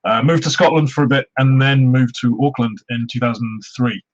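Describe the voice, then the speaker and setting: A man's voice: medium pitch, normal speed. Man in his thirties, raised in Wales, modest, hesitant, lots of ums, muffled lo-fi sound. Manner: soft-spoken, modest, hesitant with many ums. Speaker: guest, Pokemon YouTuber. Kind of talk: casual interview chat. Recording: dull lo-fi sound.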